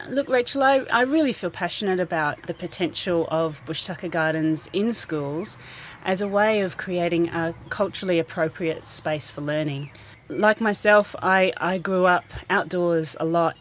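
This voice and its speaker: Low-voiced New woman, earnest. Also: slight background noise. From New Zealand. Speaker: school garden teacher. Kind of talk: radio interview, outdoor. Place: school garden outdoors.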